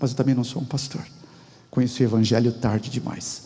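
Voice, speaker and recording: With fairly even intonation, a man talks at a moderate speed. There is some breathiness in his voice. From Brazil, São Paulo city. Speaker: lay preacher, finance professional; lay preacher. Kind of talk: sermon. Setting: church, livestreamed. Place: church. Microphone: handheld.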